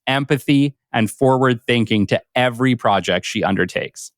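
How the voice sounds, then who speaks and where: Male podcast host, upbeat and gushing, dry close sound, mid pitch. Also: smooth, dry recording. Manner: enthusiastic, effusive praise. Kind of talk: podcast interview.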